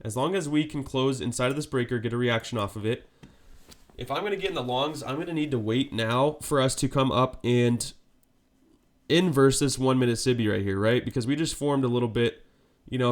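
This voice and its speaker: A man with a cold and a congested voice, giving live market commentary on his stream and checking in with a frequent "right?". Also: mid-range voice. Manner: steady explanatory, frequent "right?" check-ins.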